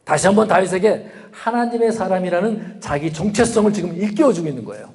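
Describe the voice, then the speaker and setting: A man's voice: high voice, expressive, fast talker, a little mellow. A middle-aged man preaching a sermon as pastor, talking conversationally and asking his listeners rhetorical questions. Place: church sanctuary. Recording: long reverb of a church hall.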